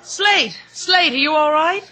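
An actress playing a spirited young American adventuress who speaks directly, in a vintage radio drama. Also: female voice, sits high, lively intonation, a little slow, very noisy. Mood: alarmed. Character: gutsy young American sidekick girl in danger. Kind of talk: 1950s radio drama acting. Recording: vintage 1950s radio, music behind.

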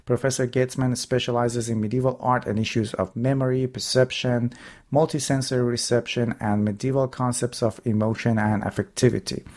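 A man speaks as the host of an interview podcast. His voice sits at a middle pitch as he addresses listeners and guests. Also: level tone, fairly quick, darkish tone. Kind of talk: interview hosting.

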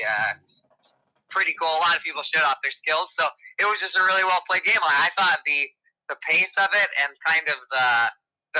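A man with a gravelly, strained, hoarse voice, giving a conversational basketball recap as a guest sports reporter. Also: a little high, sharp tone, rough recording. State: hoarse, voice nearly gone.

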